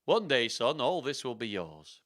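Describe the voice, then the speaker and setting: A man's voice: mid-range voice, very animated, measured pace, fairly bright tone. A man voicing the restless ghost of a dead king in a theatrical put-on regional accent, telling his own storybook tale. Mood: brooding, wistful. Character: dead King Richard the third, dramatic rustic storytelling ghost. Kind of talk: first-person storybook narration.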